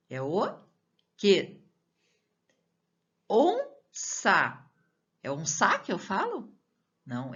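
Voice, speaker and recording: A Brazilian woman teacher speaks slowly and patiently in a fairly low voice that rises and falls a great deal as she leads children through a recorded lesson. She draws out each syllable and keeps checking in with the pupil. The recording sounds a little dull and lo-fi. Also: fairly bright tone. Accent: Brazilian Portuguese. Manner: slow, patient explaining with drawn-out syllables and frequent questions to the pupil.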